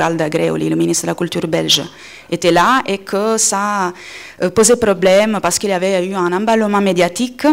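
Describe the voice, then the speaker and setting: A woman in her thirties with an Italian accent, a native Italian speaker, giving a semi-improvised conference talk with hesitant pauses and self-corrections. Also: lowish voice, creaky. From Italy. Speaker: coordinator of a media organisation, panel speaker. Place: indoor conference panel table. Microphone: gooseneck table microphone, close.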